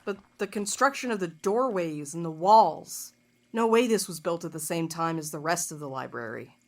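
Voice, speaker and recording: An actress playing a tough, sharp-tempered woman in an audio drama, with a dry, no-nonsense manner. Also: lowish voice, normal speed. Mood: focused. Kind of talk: scripted audio drama acting.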